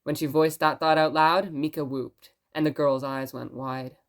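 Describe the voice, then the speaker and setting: A woman playing a presenter who reads stories aloud in expressive narration. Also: deep voice, moderate pace. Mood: measured, tender. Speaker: narrator and host of the show.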